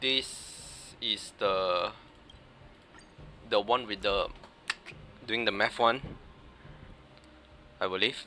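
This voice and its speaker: Soft-spoken and fairly low-pitched, a man talks at a very slow pace with fairly even intonation and long, frequent pauses. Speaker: game streamer. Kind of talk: live gameplay stream chat.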